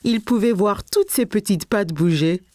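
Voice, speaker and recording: A woman's voice: medium pitch, measured pace, darkish tone, dry recording. A woman narrator reading a scripted children's story expressively, as if to small children.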